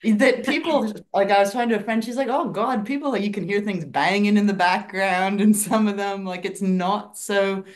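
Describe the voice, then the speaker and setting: A woman with a Canadian accent tinged with Australian speaks at a middle pitch, easy and unhurried. She talks modestly and rambles a little as an author guest on a video call. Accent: Canadian with Australian influence. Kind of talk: casual interview chat.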